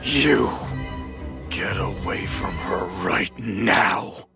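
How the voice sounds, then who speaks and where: Loud music sits behind a low, imperious male voice. He is a haughty, threatening warrior in an overacted anime dub, speaking in archaic phrases with big swings of pitch. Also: expressive, moderate pace. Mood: furious.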